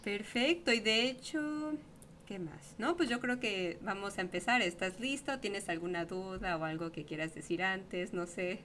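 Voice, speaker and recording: A young woman hosting a casual livestream interview over a headset at home, chatty and quick to laugh. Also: mid-range voice, fairly bright tone. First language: Spanish. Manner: chatty, laughs often, many fillers like "¿no?". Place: small room at home.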